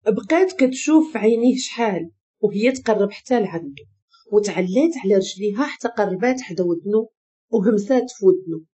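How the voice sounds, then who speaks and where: Woman, Moroccan accent, dramatic story narration, animated pitch, warm tone. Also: a little fast, husky.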